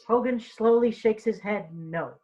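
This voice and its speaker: A woman's voice: on the high side, measured pace, warm tone, muffled recording. A woman reading stage directions in an informal read-through, tripping over and repeating words now and then.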